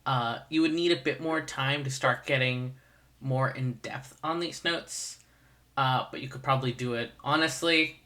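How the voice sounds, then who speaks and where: A dungeon master narrating a tabletop game, laughing often and filling pauses with uh and um. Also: medium pitch, pushed and bright. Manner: laughing often, many fillers.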